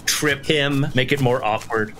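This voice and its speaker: A woman voicing a big, terse, gentle male adventurer in a tabletop audio drama, speaking haltingly. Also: extremely low pitch. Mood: plain, helpful. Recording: music under the voice.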